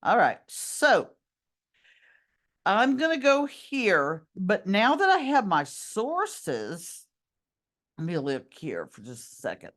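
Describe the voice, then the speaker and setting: Losing her voice, a middle-aged teacher slowly guides her students step by step through a screen-recorded tutorial. Her voice sits mid-range but swings hugely in pitch.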